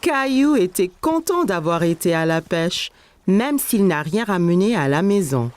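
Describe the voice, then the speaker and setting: A woman's voice: on the low side, big pitch swings, measured pace, a little mellow. A woman narrator reading scripted story narration for a French children's cartoon.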